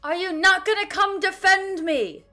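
A woman's voice: fairly low pitch, very animated, measured pace, a bit bright, breathy edge, faint music behind, heavily acted. A woman voicing a young boy who plays at being a knight, bossy one moment and yelping in protest the next. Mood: shrill.

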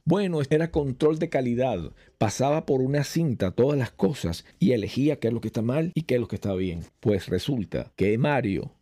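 A man's voice: on the low side, slightly rough. A man hosting a podcast from a small home studio, talking casually and animatedly to camera with rhetorical questions. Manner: animated, addresses viewers directly with rhetorical questions. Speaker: podcast host and radio announcer. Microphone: studio microphone.

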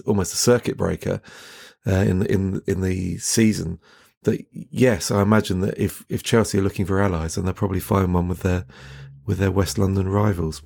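A man talking casually as a football journalist on a podcast, thinking aloud in halting, repeated starts. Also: deep voice, creaky, a little mellow, husky.

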